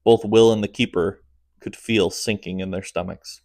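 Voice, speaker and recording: Low-voiced man narrating an audiobook. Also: steady tone, normal speed, creaky, a little mellow, no echo, clean studio sound. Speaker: author narrating his own audiobook.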